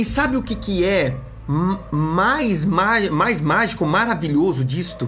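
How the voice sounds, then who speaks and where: Audible room echo surrounds a man whose high pitch, bright, sharp tone and lively intonation come at a very slow pace with very even loudness. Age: 40s. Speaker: emotional intelligence coach. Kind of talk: live stream talk.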